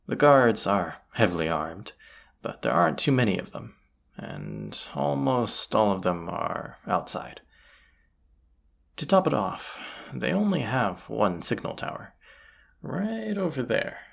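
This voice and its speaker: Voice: mid-range voice, big pitch swings, takes it slowly, creaky, full character voice. A performer playing a roguish bandit leader in a fantasy audio roleplay, grumbling yet confident, with folksy, sardonic muttering to the listener. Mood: focused, confident.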